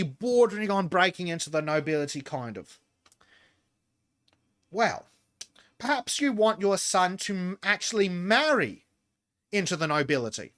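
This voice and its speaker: A man's voice: fairly high pitch, fairly bright tone, no echo, clean studio sound. Profane, lecturing Australian man. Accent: Australian, mixed with American and English. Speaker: podcast host. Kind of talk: casual podcast chat.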